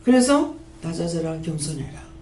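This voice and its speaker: A woman pastor, preaching a sermon and scolding with rapid-fire rhetorical questions. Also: fairly low pitch, very animated, mellow. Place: prayer house church. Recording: echoey church hall, faint background noise.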